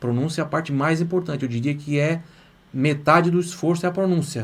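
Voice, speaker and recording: A man talks with ordinary pitch variation. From Santa Catarina, southern Brazil. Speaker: Italian language teacher. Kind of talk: online lesson. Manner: casual, repetitive.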